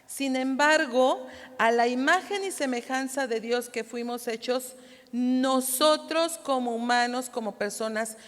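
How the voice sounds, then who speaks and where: A Mexican woman giving a church Bible lesson, explaining step by step and often asking the congregation to confirm they follow. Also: a little high. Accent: Mexican Spanish. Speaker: Bible study teacher. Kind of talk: church teaching. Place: church hall. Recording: reverberant hall, sound system distortion.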